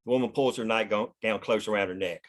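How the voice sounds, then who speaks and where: A man's voice: on the low side, fast talker. A man reading scripted screenplay stage directions as the narrator of a table read.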